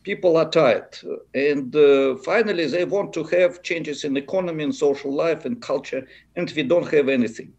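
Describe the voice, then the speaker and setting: A man with a Russian accent answers as an interviewee. His voice sits a little high for a man and has a gravelly creak. He is a non-native speaker who searches for words while laying out political analysis. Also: moderate pace, a little mellow, dull audio.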